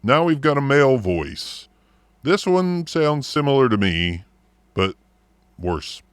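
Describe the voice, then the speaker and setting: A man testing deeper male and robot presets of a voice changer, commenting offhandedly. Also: very animated, slow, smooth, dry recording. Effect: voice changer, robot filter.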